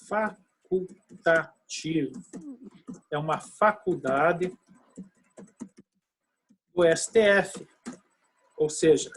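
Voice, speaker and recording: A man's voice: a little high, breathy edge, poor audio. A man teaching a law lesson online, explaining step by step and often checking in with his students. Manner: explanatory, with many tag questions to students. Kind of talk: online video lecture.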